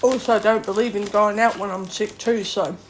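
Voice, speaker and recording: A woman's voice: mid-range voice, steady tone, moderate pace, slight background noise. A woman chats casually and bluntly while eating, talking with her mouth full of snack food. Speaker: vlogger.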